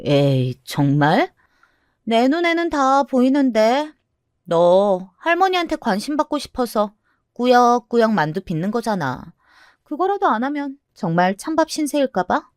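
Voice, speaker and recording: A woman narrator voicing a blunt older girl cousin who teases and mocks in a story reading, with a lively voice. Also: fairly high pitch, a little slow, clean tone, no echo, clean studio sound, pitched above the performer's own voice. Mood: teasing. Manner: teasing, mocking.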